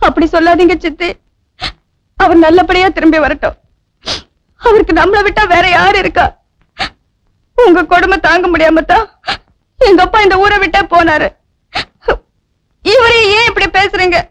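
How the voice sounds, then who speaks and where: An actress playing a meek, devoted young woman in a 1980s film melodrama, speaking in a soft, pleading way. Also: extremely high pitch, normal speed, pauses often.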